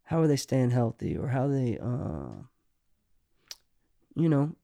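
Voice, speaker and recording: A man's voice: medium pitch, very animated, takes it slowly, vocal fry, warm tone, no echo. Man, middle-aged, songwriter, casual chat, rambling, dry close sound. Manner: rambling, restarts often, says "you know" a lot. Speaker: songwriter guest. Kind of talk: casual podcast conversation.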